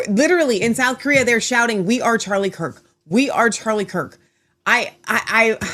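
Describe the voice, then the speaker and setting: A woman's voice: on the high side, fairly bright tone. A woman hosting an online talk show from home, chatting in a rambling way with many restarts. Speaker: host. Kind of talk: casual online show chat.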